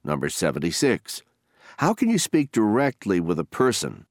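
A man narrates a listening exam in a lowish voice. He reads instructions and numbered questions formally and deliberately, with strongly swooping intonation, recorded very dry. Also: huge pitch swings, dry recording. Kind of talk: scripted test instructions.

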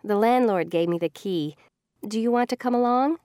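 Actress as mellow-voiced woman chatting with friend. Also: fairly high pitch, moderate pace, clear, resonant tone, no room sound, clean studio sound, natural voice. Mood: casual, friendly. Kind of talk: scripted dialogue for listening test.

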